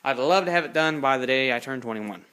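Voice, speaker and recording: Speaking quickly in a smooth, bright, forceful mid-range voice, an eighteen-year-old car hobbyist casually tours his project in a home garage. He films on a handheld phone, rambling, self-correcting and keeping it plain-spoken.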